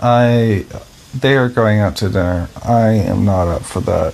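Faint music plays in the background as a man with a fairly low pitch speaks at a very slow pace with ordinary pitch variation. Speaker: vlogger. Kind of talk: casual vlog chat. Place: home room. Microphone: headset.

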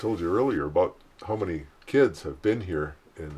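This man has an American accent and a fairly low pitch. He moves at a moderate pace while his pitch swings very widely. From Michigan. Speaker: hunting camp leaseholder. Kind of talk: documentary interview. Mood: warm, nostalgic, amused.

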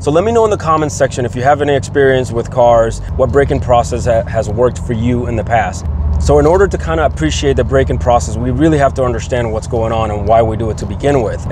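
A man at a very fast pace with hardly any pauses and very wide pitch swings, over noticeable background noise, the sound dry with no echo. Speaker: car owner vlogger. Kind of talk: casual vlog chat. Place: car.

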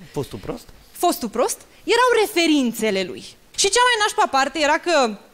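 At a moderate pace, a woman speaks at an extremely high pitch with very wide pitch swings. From Romania, Banat; Romania. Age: 20s. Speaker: stand-up comedian. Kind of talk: stand-up. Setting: stage with audience. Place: stage. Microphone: handheld.

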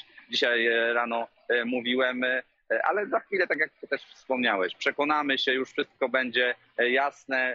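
The speaker has a Polish accent and fairly even intonation. The sound is dry with no echo. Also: man. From Poland. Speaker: sports reporter. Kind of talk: live report. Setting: video call from stadium. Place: hall. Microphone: earbuds.

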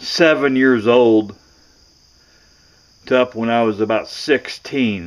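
A man speaks at a very slow pace with fairly even intonation. The background is quiet. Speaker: vlogger. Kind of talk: casual vlog chat. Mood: nostalgic reminiscing. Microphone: phone near.

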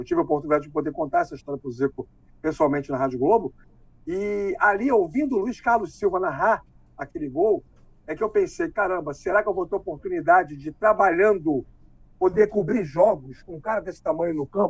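A high-pitched man's voice, fairly quick and lively in intonation, with a dry sound and no echo. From Brazil. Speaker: sports journalist; sports journalist guest. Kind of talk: interview. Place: home room.

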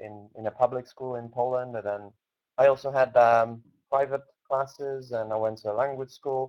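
A man with a non-native accent speaks at a medium pitch and a moderate pace. His intonation is fairly even, over a quiet background. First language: not English. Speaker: webinar host. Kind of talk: webinar hosting. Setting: online live webinar. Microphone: video call.

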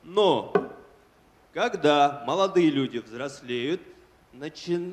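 The voice is a man's, fairly high in pitch. His pitch varies an ordinary amount. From Yakutia, Russia. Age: young. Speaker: forum participant. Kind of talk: audience question. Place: tent. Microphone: handheld.

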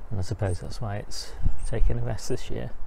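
Light background noise behind a man at a moderate pace. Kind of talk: casual garden tour commentary. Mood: pleased, relaxed. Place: garden. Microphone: phone near.

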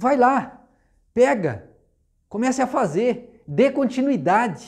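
Male speech, lively in intonation, over a quiet background. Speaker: devotional video preacher. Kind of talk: motivational devotional pep talk ending in prayer. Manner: earnest, encouraging, urgent; direct, repeating commands in a rousing rhythm. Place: home room. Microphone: lapel.

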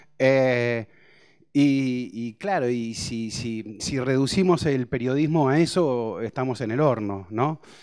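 With ordinary pitch variation, a man talks at a very slow pace over a quiet background. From Argentina. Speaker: sports journalist. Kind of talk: panel talk. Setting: auditorium with audience. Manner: halting, many repetitions and fillers. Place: hall. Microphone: handheld.

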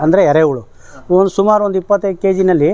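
His voice is high-pitched for a man, with a dark, mellow tone. The man's pitch varies in an ordinary way. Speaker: retired agricultural technician and vermicompost farmer. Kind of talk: casual farm tour explanation.

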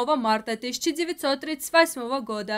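A woman talks with ordinary pitch variation. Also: quiet background. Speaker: news anchor. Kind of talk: news reading. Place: studio.

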